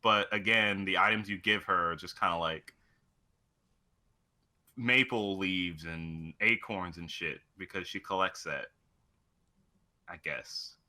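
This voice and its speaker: A man's voice: sits low, slow pace, pauses often, bright, forceful tone. A man chatting casually as co-host of a video game show, swearing freely as he goes. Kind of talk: casual chat.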